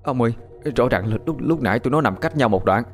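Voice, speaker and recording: A man's voice: medium pitch, animated, quick pace, faint music behind, natural voice. Man playing a frightened young servant, stammering, pleading, audio storybook. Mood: scared.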